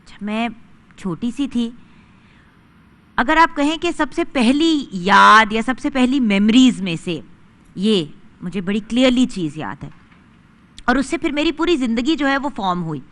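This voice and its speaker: A woman host speaks earnestly to her viewers in an easy, conversational way, pausing now and then to find her words. Her voice sits a little high and sounds bright and clear. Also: expressive. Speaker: host of a religious broadcast. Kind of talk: personal storytelling to viewers.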